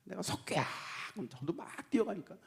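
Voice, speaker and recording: A man, a church deacon, telling a personal testimony in church, dropping to hushed low passages and then rising in sudden emotional outbursts. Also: very animated, moderate pace. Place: church sanctuary with long reverb. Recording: long church hall reverb.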